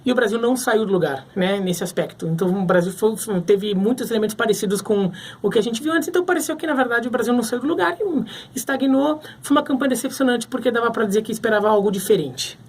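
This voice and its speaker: Husky-voiced Brazilian sports commentator. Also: male voice, very high voice, fast. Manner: thinking aloud with restarts and hesitations. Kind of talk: casual video commentary.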